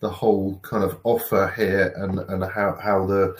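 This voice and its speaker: A man with a very deep, flat, even voice moderates a webinar Q&A. He puts questions to the presenter haltingly and pads them with uhs and ums. He is speaking over a video call with his camera off. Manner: hesitant, many fillers while framing questions.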